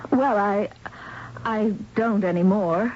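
A woman's voice: mid-range voice, slow pace. An actress playing a polite, earnest young woman in a radio drama, speaking in a proper manner. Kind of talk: radio drama acting and narration. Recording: dull, noisy old radio recording.

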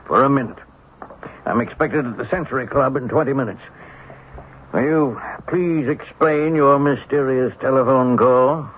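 An actor playing a stiff, haughty bank executive in a radio mystery drama, formal, cold and clipped. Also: male voice, mid-range voice, moderate pace, slight background noise, close to an everyday voice. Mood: cold, impatient. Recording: muffled old radio broadcast.

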